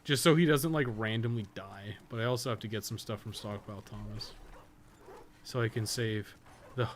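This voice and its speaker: A man's voice: lowish voice, moderate pace, slight background noise. A man doing casual, profane, joking video game commentary as he chats with stream viewers. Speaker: live streamer, podcast co-host.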